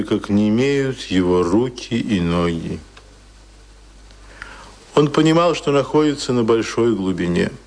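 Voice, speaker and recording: A man narrating a radio play in a grave, measured, suspenseful literary style. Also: medium pitch, close to an everyday voice. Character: grave male narrator of a drowning man's end.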